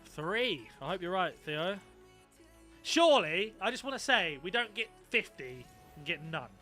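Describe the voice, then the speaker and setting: Bright-voiced young man streaming. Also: sits high, big pitch swings, unhurried, faint music behind. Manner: chatty, swearing, reacting to chat. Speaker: gaming streamer. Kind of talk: casual live-stream chat.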